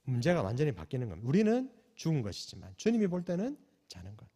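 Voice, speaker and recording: Animated male pastor preaching in a reverberant church. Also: medium pitch, quick pace, breathy edge. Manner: animated preaching, rhetorical questions to the congregation; swings from loud calls to soft near-whispers. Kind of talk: sermon at a night prayer meeting. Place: church sanctuary. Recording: long church hall reverb.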